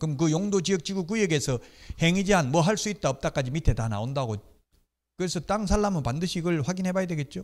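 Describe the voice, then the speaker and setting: Talking at a very fast pace, a man with a high pitch uses lively intonation on a very clean recording with a silent background. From Korean, Gyeongsang region.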